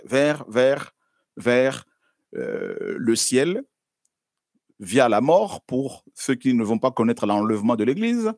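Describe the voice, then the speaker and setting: A man's voice: mid-range voice, no echo. Preaching man with dry close sound. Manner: repetitive, conversational, frequent "hein?" and "alléluia"; swings between loud exclamations and quiet asides. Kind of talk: sermon.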